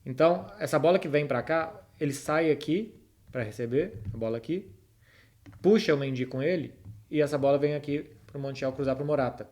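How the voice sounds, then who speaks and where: A fairly quick, slightly mellow male voice on the high side, with a Brazilian Portuguese accent. He hosts a football chat, answering viewers' questions and offering casual, direct analysis to his followers.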